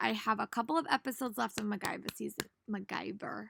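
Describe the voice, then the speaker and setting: Putting on a character voice with a Brooklyn accent, a woman talks very fast in a raspy, medium-pitched voice. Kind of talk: casual chat.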